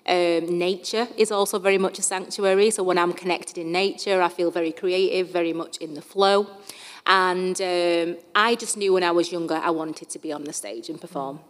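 A woman's voice: fairly low pitch, fairly even intonation, normal speed. A woman with a Bradford accent answering interview questions in an open, reflective, conversational way. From Bradford, England. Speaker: guest artist, soul singer. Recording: echoey hall-like reverb.

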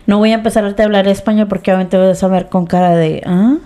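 A woman's voice: mid-range voice, steady tone, fast, mellow. A woman co-hosting a podcast in casual chat, mixing English fillers into her Spanish. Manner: mixes English fillers into Spanish, laughs easily. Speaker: podcast co-host.

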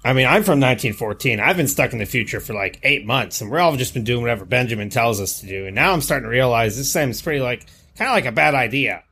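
Man, tabletop player, in character, probing questions, bright tone, slightly husky. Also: mid-range voice, lively intonation, fast talker, hardly any pauses.

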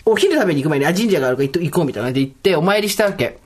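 Fast, lively woman chatting on a podcast. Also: fairly low pitch, a little hiss or hum. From Tokyo, Japan. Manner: quick, animated, jokey, laughs often. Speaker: podcast host. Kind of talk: casual chat.

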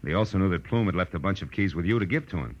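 A man's voice: low voice, expressive, racing, dull audio. An American actor playing a wry, worldly, hard-boiled male private detective in clipped 1940s radio style. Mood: matter-of-fact. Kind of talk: 1940s radio detective acting, first-person narration.

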